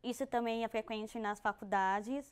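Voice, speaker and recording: Young deaf brazilian woman on a tv talk show, smooth fairly high voice, careful. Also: fairly even intonation. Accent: Brazilian Portuguese. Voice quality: deaf speaker who lip-reads. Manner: measured, explains carefully with some restarts. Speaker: guest. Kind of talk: studio talk show interview.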